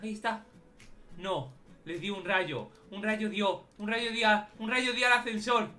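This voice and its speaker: A man giving excitable let's-play commentary, often shouting and calling out in a frantic way. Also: sits high, measured pace, faint music behind. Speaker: Roblox gaming YouTuber.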